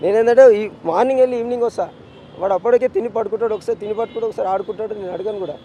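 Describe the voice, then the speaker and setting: Outdoors on a city street, a grieving middle-aged father with a Telangana Telugu accent gives a news interview, insistently repeating his demands in anguish. His warm, high-sitting voice races along, and the poor recording carries slight background noise.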